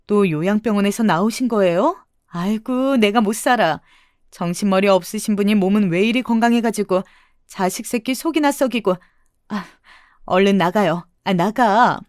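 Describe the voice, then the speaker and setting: A woman voicing a bold, scolding middle-aged sister-in-law who shouts theatrically in a radio story. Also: medium pitch, lively intonation, normal speed, smooth, dry recording, clean studio sound, lightly acted.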